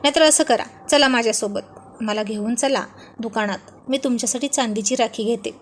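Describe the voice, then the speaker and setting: A woman's voice: a little high, moderate pace, slight background noise, close to an everyday voice. A woman voicing a playful young wife who coaxes and teases her husband. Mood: playful teasing. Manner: coaxing, teasing.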